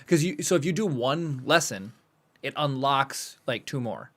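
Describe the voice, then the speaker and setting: A man co-hosting a podcast in casual, animated chat, laughing often as he talks. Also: medium pitch, unhurried. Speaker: podcast co-host. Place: home studio podcast set.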